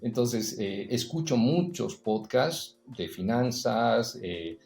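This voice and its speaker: A man speaking as a podcast guest in an unhurried, reflective way, filling pauses with "eh" and checking in with a tag question. His voice sits at an ordinary middle pitch. The recording has a noticeable roomy echo. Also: animated, gravelly, darkish tone, soft background music. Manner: reflective, storytelling, frequent "eh" and tag "¿no?". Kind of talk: casual conversational interview.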